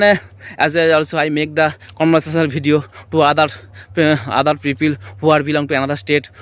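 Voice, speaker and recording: A man's voice: a little high, a bit bright, no room sound. A young man whose first language is not English, talking in an unscripted practice monologue, hesitant, with many fillers and repeated phrases. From village area. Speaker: English learner vlogger.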